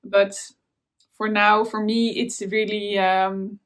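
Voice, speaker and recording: A woman's voice: medium pitch, level tone, takes it slowly, a bit bright. A Dutch woman with a Dutch accent hosting a knitting vlog, talking in a casual, hesitant way with many fillers and restarts. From Netherlands. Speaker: knitting podcast host. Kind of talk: casual chat to camera.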